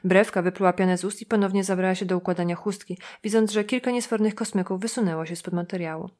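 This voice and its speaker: A woman narrating an audiobook in an even, measured reading. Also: mid-range voice. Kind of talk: scripted narration.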